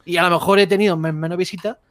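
A man's voice: sits high, steady tone, very fast, fairly bright tone, no echo. A young man chatting casually as a podcast guest, hesitant and repeating himself, often tagging "sabes". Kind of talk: casual chat.

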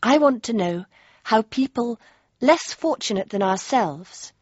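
An earnest princess. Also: female voice, a little high, animated, measured pace, a little hiss or hum. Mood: reflective. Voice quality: crisp, refined and earnest. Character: young princess, earnest and spirited. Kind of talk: period drama acting and diary narration. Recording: dull dry lo-fi with faint music.

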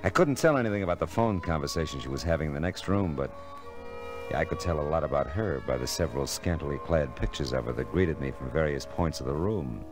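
A man's voice: very deep voice, expressive, fast. An actor playing a hard-boiled, wisecracking private eye in old radio detective drama, wry and laconic as he narrates and needles people. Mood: wry, world-weary. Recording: old radio recording with music underscore.

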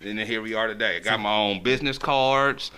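A man's voice: on the low side, a little fast, bright, forceful tone, smooth. A man with an African American accent chatting casually in a slangy, jovial way as an interview guest. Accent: African American English. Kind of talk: casual animated chat.

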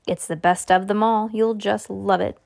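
A woman's voice: medium pitch, steady tone, moderate pace, creaky, darkish tone, close to an everyday voice. A woman voicing a fond, eager old grandfather in a storybook reading. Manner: eager, emphatic.

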